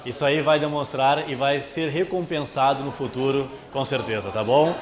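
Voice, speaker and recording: A man in a live exam-prep class talks straight to his viewers, checking answers and cheering them on. His voice sits at an ordinary, middle pitch. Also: normal speed. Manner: friendly, addresses the audience as "pessoal". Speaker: teacher.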